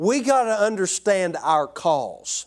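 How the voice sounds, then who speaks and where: In a very clean recording with a silent background, a man with an Appalachian accent speaks very slowly at a high pitch, his pitch swinging very widely. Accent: Appalachian Southern US. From West Virginia, small rural town. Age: 30s. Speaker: travelling preacher. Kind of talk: sermon. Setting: church with congregation. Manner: animated.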